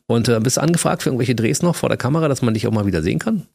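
A man's voice: mid-range voice, lively intonation, very fast, gravelly, darkish tone. A man hosting a late-night radio talk show, chatting casually with a guest and often adding tag questions, recorded in a radio studio.

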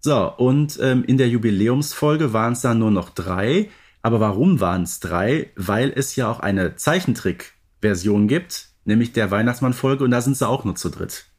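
A man's voice: medium pitch, lively intonation, normal speed, a little mellow, slightly rough. A man, chatting casually as a fan podcast co-host.

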